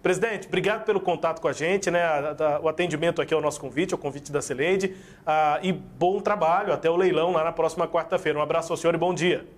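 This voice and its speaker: A man co-hosting a radio show, speaking briskly and chattily, thanking and introducing a guest. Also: on the high side. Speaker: radio co-host. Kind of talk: radio interview and sign-off.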